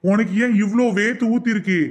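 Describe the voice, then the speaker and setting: A man's voice: sits high, brisk, lightly acted. A man voicing a stingy middle-aged husband in a cartoon comedy, teasing and bickering with his wife.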